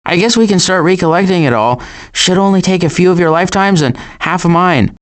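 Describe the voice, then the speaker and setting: A man's voice: high voice, fairly quick, lightly acted. Man voicing a wry, wisecracking cartoon woodland critter. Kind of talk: animated video game character lines.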